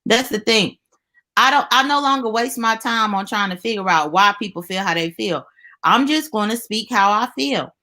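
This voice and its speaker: Female panelist, somewhat high and sharp-edged, pushing back bluntly in casual debate. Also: lively intonation, normal speed. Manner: defensive, blunt. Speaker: panel participant on a live chat. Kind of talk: casual argument.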